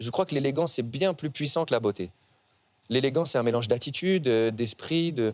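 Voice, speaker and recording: With lively intonation, a man talks at a medium pitch in a plain, everyday voice. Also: fairly quick pace. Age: 20s. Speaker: stand-up comedian. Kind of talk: interview answer.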